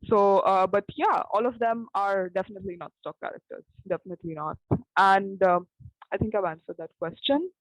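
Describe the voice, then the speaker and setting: A woman's voice: mid-range voice, brisk, no room sound, dull audio. A young woman playwright speaking in a roundtable discussion, piecing her thoughts together hesitantly with repetition.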